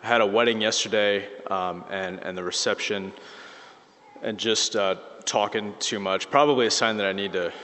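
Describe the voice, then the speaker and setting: Hoarse priest preaching in echoing church. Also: male voice, lowish voice, fairly even intonation, moderate pace, sharp tone. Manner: conversational, many fillers and restarts. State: slightly hoarse, losing his voice. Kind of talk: sermon. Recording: church mic with long reverb.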